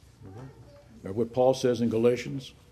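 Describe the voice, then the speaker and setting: The voice belongs to a man. His pitch sits in the medium range. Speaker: priest. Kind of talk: sermon. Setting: church.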